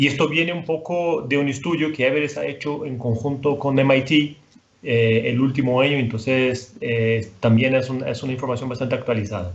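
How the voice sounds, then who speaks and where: Speaking with a Brazilian accent, a man uses a medium pitch, ordinary pitch variation and a moderate pace, his voice somewhat breathy. Audible room echo surrounds him. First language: Portuguese (speaking Spanish). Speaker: data analytics executive. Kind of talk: panel discussion. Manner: halting, many repetitions.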